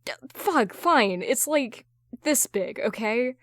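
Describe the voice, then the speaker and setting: A woman's voice: a little high, animated, slow, no echo, clean studio sound. A woman voicing a flustered, defensive man, insecure but boastful, in an audio fan-fiction drama. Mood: wounded, exasperated. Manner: stammering, protesting.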